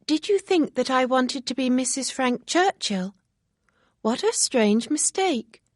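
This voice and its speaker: An excitable young woman, put on by a female storyteller, her voice lifted noticeably higher and bubbling with breathless, eager exclamations. The storybook recording is dry and close, with no room around it. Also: measured pace, dry recording. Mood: cheerful.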